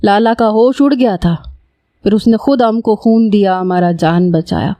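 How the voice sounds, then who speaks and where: A woman's voice: mid-range voice, mellow, no echo, lightly acted. A woman voicing an emotional young Pathan man who speaks Urdu with a Pashto accent and Pashto-style broken grammar. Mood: pleading.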